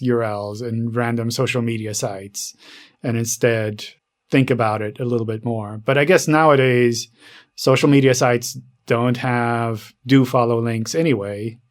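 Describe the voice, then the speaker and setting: Male podcast co-host, medium pitch, casual conversational tone. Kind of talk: casual chat, asking questions.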